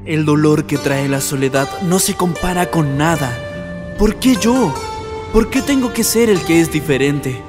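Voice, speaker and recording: A man plays an earnest young male ninja in an anime parody, with a Latin American Spanish accent. The voice sits high and swings widely in pitch, dramatic and comically intense, over music. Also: animated, unhurried. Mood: brooding, determined. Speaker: amateur fan-dub voice actor.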